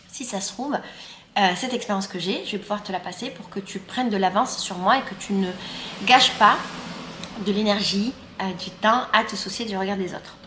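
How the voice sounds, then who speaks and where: A woman's voice: medium pitch, sharp tone, a little hiss or hum. A woman in her thirties from France, chatting casually in a vlog while eating breakfast. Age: 30s. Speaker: YouTuber and guide. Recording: roomy sound with faint ambience.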